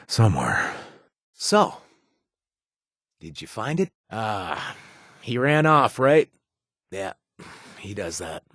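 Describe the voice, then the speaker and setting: A man's voice: medium pitch, creaky, a bit bright, dry recording, clean studio sound, full character voice. An actor playing a nervous, wisecracking male raider companion in a video game, who rambles, jokes and corrects himself mid-sentence. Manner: rambling, self-correcting, jokey. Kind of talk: game character voice lines.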